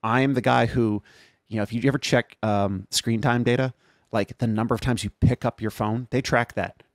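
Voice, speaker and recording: Male podcast co-host, gravelly, candid and self-mocking, dry close sound. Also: medium pitch, steady tone, no room sound. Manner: candid, self-deprecating, quick asides. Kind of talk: casual podcast discussion.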